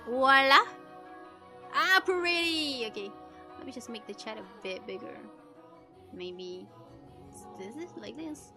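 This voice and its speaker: A woman's voice: sits high, animated, takes it slowly, pauses often. A woman streamer chatting casually on a livestream, muttering to herself, exclaiming and slipping in Japanese phrases. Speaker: streamer voicing a visual novel. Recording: music behind the voice. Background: music.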